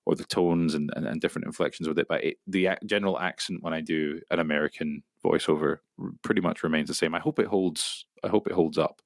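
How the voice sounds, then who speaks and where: A man, a voice actor, talking casually and haltingly in an interview. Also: very deep voice, fairly even intonation, vocal fry, no room sound, studio quality.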